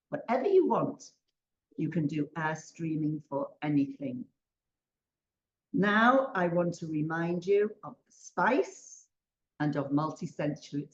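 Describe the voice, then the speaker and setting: An older woman training teachers, leading a slow, emphatic interactive drama exercise over a video call. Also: lowish voice, reverberant, highs cut off. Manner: slow, emphatic, leads call-and-response chants. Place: home room on a video call.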